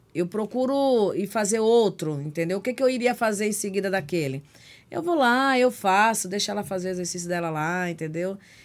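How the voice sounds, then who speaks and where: This woman's voice sits at a medium pitch with lively intonation. The recording is very clean, with a silent background. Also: moderate pace. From Bahia, Brazil. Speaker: podcast co-host. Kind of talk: casual chat.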